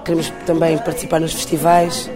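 A woman from Portugal with a European Portuguese accent and a deep, thick voice, telling her story casually as an interviewed singer. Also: flat delivery, a little fast. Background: music.

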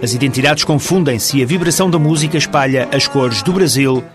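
A man's voice: medium pitch, fairly quick. A man reading a scripted magazine-programme narration as presenter. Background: music.

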